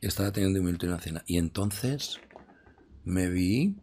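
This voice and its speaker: A man's voice: low voice, normal speed, husky. A man, a guest vividly recounting a personal story in a podcast interview. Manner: vivid, animated retelling.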